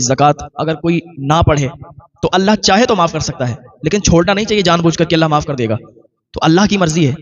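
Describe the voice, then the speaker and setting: A man's voice: on the high side, far from the mic, highs cut off. A man narrating a moral religious tale in an earnest, preachy manner. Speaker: religious storyteller.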